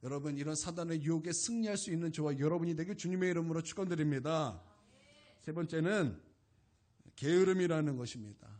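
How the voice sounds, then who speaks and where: A man with a high-pitched voice preaches a Sunday sermon as pastor. He drives his points home with repeated phrases and exhortations that rise in force. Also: brisk, a little mellow. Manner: preaching with emphatic repetition and rising exhortations.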